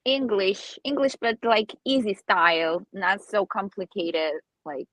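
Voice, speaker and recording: A woman's voice: mid-range voice, lively intonation, fairly bright tone, dry recording, poor audio. Armenian woman answering in careful English. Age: 20s. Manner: halting non-native English, searching for words. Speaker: singer guest. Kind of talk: casual interview answers.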